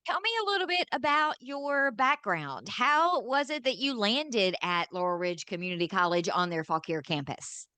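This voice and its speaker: A woman's voice: medium pitch, expressive, moderate pace, hardly any pauses, pushed and bright, clean tone, dry recording. A woman hosting a radio show, chatting with a guest over a video call and asking friendly questions.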